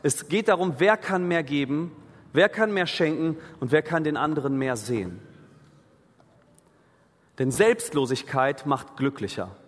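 A man's voice: on the high side, expressive, unhurried, long pauses. Man preaching in an echoing hall. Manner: earnest, conversational preaching with questions to the listeners. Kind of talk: sermon. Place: free church hall.

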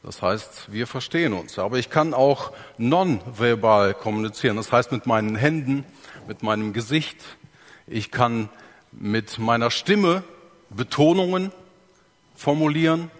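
A man's voice: medium pitch, expressive, measured pace. A man giving a sermon to his congregation, explaining things step by step, acting out examples and putting questions to his listeners. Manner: explains step by step, acts out examples, asks the audience. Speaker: preacher. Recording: reverberant hall.

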